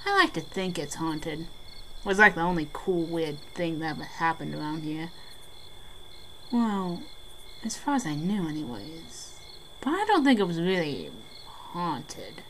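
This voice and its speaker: A brash young woman, played by an amateur actress, tells spooky local tales in an audio drama. Her voice sits a little low, her delivery is casual yet theatrical, and faint cricket noise runs behind her. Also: very animated, a little slow, a bit bright, exaggerated voice, poor audio. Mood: casual skeptical. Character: brash teasing young local woman swapping childhood haunted-house memories. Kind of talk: amateur audio drama, scripted ghost storytelling.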